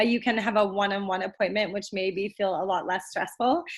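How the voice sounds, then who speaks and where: Her intonation is fairly even as this woman speaks at a medium pitch. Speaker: immigration advisor. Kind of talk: webinar Q&A. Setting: live webinar. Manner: fast.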